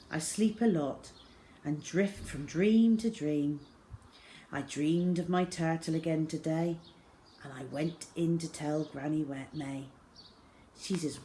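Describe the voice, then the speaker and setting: Lower-voiced woman reading a children's story. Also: mellow. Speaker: story-time host reading a children's book aloud. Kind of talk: expressive storytelling, scripted narration. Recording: clear background noise.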